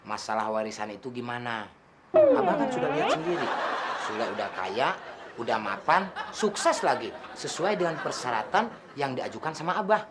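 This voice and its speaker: A man's voice: mid-range voice, huge pitch swings, moderate pace, background noise. A bossy fake rich man. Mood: boastful. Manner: showy, bossy, teasing. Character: man pretending to be rich, bossy to his driver. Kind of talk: sitcom acting.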